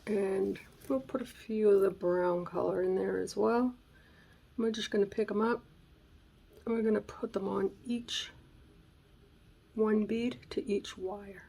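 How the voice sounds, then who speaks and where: Raspy gravelly lady talking thru her craft project at home, mutters and whispers as she works. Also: mid-range voice, fairly even intonation, a little slow, long pauses, dark tone. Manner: chatty, thinking aloud while working, drops to whispers. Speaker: craft channel host. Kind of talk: casual craft tutorial chat. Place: home craft room on a gray day. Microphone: camera mic, moves close and away while working.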